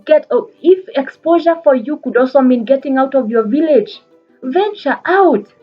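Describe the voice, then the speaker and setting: A woman's voice: high voice, expressive, normal speed, muffled recording, soft background music. A Kenyan woman and life coach giving a motivational talk. She speaks earnestly, repeats phrases for emphasis and uses frequent fillers.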